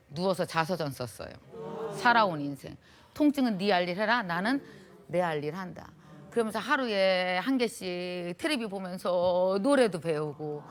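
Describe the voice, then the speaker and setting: A middle-aged woman lecturer telling a personal story to an audience in a lively, heartfelt, colloquial way. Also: mid-range voice, slight background noise.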